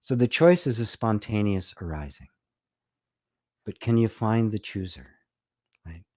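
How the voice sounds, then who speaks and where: A middle-aged man, a spiritual teacher, giving an unhurried, reflective talk and answering viewers' comments. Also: fairly low pitch, animated, darkish tone, no room sound, studio quality. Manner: unhurried, reflective, often ending with "right?"; reads viewer comments aloud. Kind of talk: live-streamed satsang talk.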